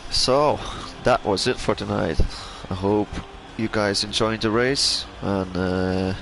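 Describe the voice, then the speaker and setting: Behind this young Belgian-accented commentator on an online sim race, game engine noise and loud music play, and the recording quality is low. His voice sits on the low side, steady and slow with vocal fry, as he hesitates with many fillers and restarts.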